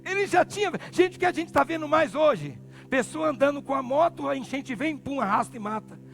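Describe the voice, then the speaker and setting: A Brazilian man preaches a sermon in a very high, gravelly voice. He drops to low murmurs, then climbs to loud shouted peaks. Church music plays behind him. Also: expressive, fairly quick. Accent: Brazilian Portuguese. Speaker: pastor.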